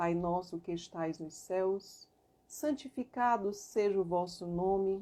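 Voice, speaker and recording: Soft-spoken and very slow, a woman talks at a medium pitch with ordinary pitch variation and a dark, mellow tone. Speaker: spiritist lecturer. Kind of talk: lecture; guided prayer. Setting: online live stream.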